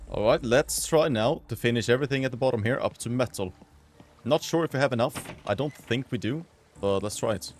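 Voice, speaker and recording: A man hosting a gaming video, giving casual gameplay commentary with excited outbursts and casual slang. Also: medium pitch, brisk, faint music behind.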